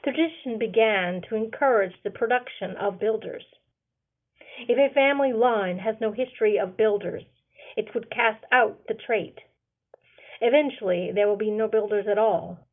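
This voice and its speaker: A woman's voice: mid-range voice, normal speed. A woman reading her own fantasy writing aloud and presenting it as its author and narrator. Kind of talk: expressive audiobook-style reading and presenting. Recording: narrow phone-like sound.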